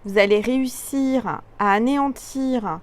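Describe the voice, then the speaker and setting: A woman card reader who talks slowly and gently to her viewers. Her voice sits a little high, and she reads card texts aloud and adds her own advice. She sometimes stumbles over words and corrects herself. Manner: gentle, advising tone addressing viewers directly. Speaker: tarot and oracle card reader. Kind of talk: reading card texts aloud with spontaneous commentary.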